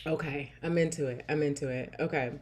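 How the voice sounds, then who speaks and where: A woman's voice: low voice, fairly even intonation, a little fast, a little hiss or hum. Chatty woman hosting a livestream. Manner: warm, chatty, laughs often, repeats "I love it". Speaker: livestream host. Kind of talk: casual livestream chat reading viewer comments.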